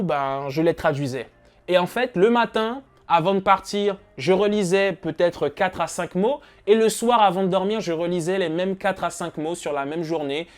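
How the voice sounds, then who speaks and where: A young man from France talks straight to his audience in a relaxed advice vlog. His voice sits fairly high, and he leans on fillers and little restarts as he goes. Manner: chatty, addresses viewers directly with many fillers. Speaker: motivational YouTuber.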